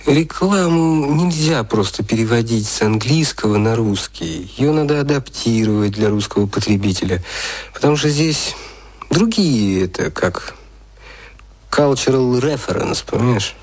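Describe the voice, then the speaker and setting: Smug ad agency boss, mentoring, patronising, voice goes up and down a lot. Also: male voice, mid-range voice, lively intonation, measured pace, a little mellow. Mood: lecturing. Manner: condescending, instructive. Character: patronising, self-assured male advertising boss mentoring a novice.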